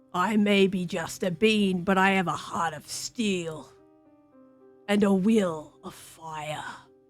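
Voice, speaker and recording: Using a put-on character voice at medium pitch, a woman speaks at a fairly slow pace with fairly even intonation while faint music plays in the background. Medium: role play. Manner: determined.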